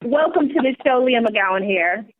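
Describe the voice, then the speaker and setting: A woman's voice: a little high, expressive. Eager podcast co-host woman on phone line. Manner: enthusiastic, earnest, a bit halting. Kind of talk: podcast hosting, reading a bio. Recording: tinny phone-line audio.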